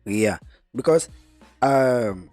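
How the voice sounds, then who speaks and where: A man from Cameroon talking about his business in a podcast conversation, getting animated when he stresses a point. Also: mid-range voice, extremely slow, no echo, faint music behind. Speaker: guest investor.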